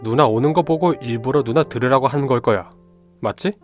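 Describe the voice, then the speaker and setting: Man as young amateur sleuth in radio mystery. Medium pitch, analytical, assured, music underneath. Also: a little fast, lightly acted. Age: young adult. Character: sharp young male amateur detective, piecing clues together. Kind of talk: audio drama acting, deductive monologue.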